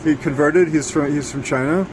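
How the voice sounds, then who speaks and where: A man interviewing casually in a halting, rambling, digressive way. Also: over music. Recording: noisy, air conditioning and traffic rumble.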